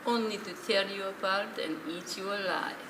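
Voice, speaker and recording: A woman's voice: medium pitch, steady tone, normal speed, lightly acted. An actress playing a bitter elderly Polish Jewish woman in a stage play, scolding with dry sarcasm and Yiddish-flavoured phrasing. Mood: sardonic. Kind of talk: stage play acting, dramatic dialogue. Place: stage in a theatre, distant microphone. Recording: echoey, noisy theatre recording from far off.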